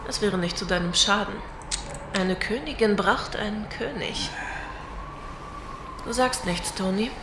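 A woman's voice: mid-range voice, a little slow, pauses often, close to an everyday voice. An actress playing a battered, scheming gangster woman, vengeful and seductive, in an audio drama. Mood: cool, calculating. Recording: echoey with loud background noise.

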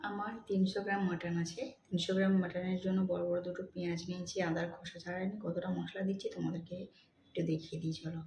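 A woman, speaking softly as she explains a home cooking vlog step by step. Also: on the low side, flat delivery, quick pace, slight background noise, rough recording. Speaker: cooking vlogger. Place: home kitchen.

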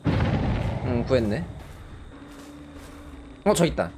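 A male streamer giving casual live commentary on his gameplay, breaking into loud surprised exclamations. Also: medium pitch, expressive, extremely slow, heavy background noise. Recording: game music behind the voice. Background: game music.

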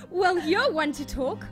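A woman's voice: extremely high pitch, very animated, takes it slowly, heavily acted. A woman playing a devout, secretive nun, affectionate but guarded, in an audio drama with music behind. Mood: flustered, affectionate.

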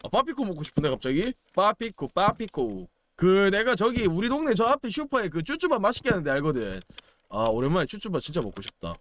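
A young man narrates his gameplay in a casual, joking way. His voice sits high and swoops up and down with lots of animation. He chants little words and shouts excitedly at what happens on screen. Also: a little hiss or hum. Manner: playful, chatty, exclaims and chants while playing. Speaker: gaming YouTuber. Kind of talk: casual game commentary.

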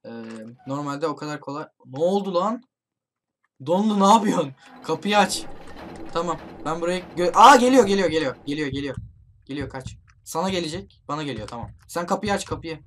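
A man playing a horror game online with friends, commentating for his channel and urgently shouting warnings to his teammates. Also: on the high side, a little fast, slight background noise. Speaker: gaming YouTuber. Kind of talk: excited let's-play commentary with friends.

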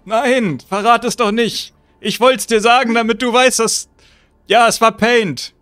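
A hoarse, decaying zombie uncle, put on by a man running a tabletop game, pleads and coaxes in a high voice, stumbling over his words. The sound is dry and close, with no room around it. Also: steady tone, a bit bright, no echo. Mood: coaxing. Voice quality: hoarse, strained voice. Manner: pleading, repeats the name, halting restarts. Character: undead zombie uncle, decayed, coaxing and weary.

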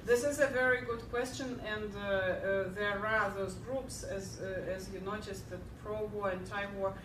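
A woman's voice: medium pitch, measured pace. Woman, 30s, keynote lecturer; earnest, filler-heavy; distant, echoey hall, hum. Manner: earnest, many fillers and restarts, animated when telling a joke. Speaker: keynote speaker. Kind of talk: lecture answering audience questions. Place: large lecture hall, at a podium. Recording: echoey hall, heard from far off, clear background hum.

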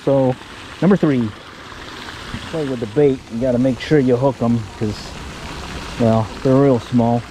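A man vlogs his fishing trip from a park pond pier in a relaxed way, chuckling as he walks through his gear and catches. He talks unhurriedly at a medium pitch with fairly even intonation and frequent pauses. The action camera captures a noisy background.

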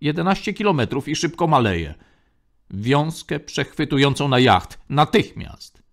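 A stern navy lieutenant, which a man voices in a spoken space saga. He barks his orders, firm and pressed. A gravelly edge runs under his raised voice. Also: a little high, sing-song, measured pace, pitched above the performer's own voice. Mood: commanding. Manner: barking orders. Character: stern male navy lieutenant, harried and commanding.

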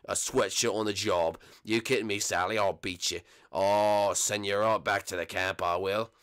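A man voicing a gruff, lovesick male army boss who growls threats and then pleads. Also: fairly low pitch, steady tone, moderate pace, fairly bright tone, pitched below the performer's own voice, close to an everyday voice. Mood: threatening.

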